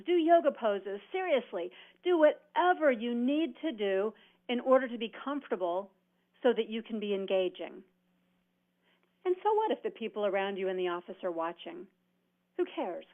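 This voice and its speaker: A woman giving an instructional sales presentation in a motivational, emphatic way, delivering her points phrase by phrase. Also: a little high. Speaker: sales trainer presenting cold calling tips. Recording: dull, band-limited audio.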